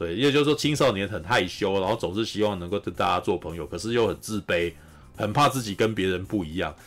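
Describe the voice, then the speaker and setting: A man with a fairly low pitch speaks at a very fast pace, his tone animated and his intonation lively. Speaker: film podcast host. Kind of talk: casual chat. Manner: loud.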